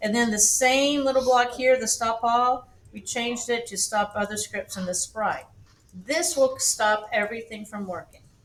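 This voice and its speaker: A woman's plain, everyday voice at a fairly high pitch, with a moderate pace and ordinary pitch variation. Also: big swings in loudness. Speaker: computer science teacher. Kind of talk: tutorial.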